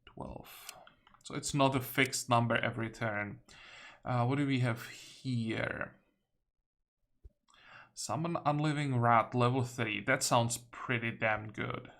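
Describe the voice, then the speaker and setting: A man's voice: mid-range voice, fairly even intonation, takes it slowly, gravelly, a bit bright. A man giving casual commentary while he plays a strategy game, thinking aloud and reading the game text out. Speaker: video game let's-player.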